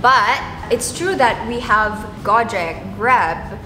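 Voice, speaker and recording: A woman's voice: a little high, slow pace, reverberant, long reverb tail, over music. A woman from Indonesia, chatting casually to camera as a vlogger and often checking in with viewers. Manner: chatty, often asks viewers okay and right.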